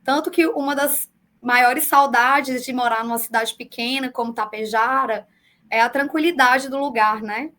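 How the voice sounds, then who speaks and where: A woman in her forties with a Brazilian accent that mixes southern and northeastern sounds, answering interview questions over a video call in a measured, explanatory way with frequent fillers. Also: sits high, fairly even intonation, a bit bright. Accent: mixed southern Brazilian and northeastern Brazilian Portuguese. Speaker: public defender.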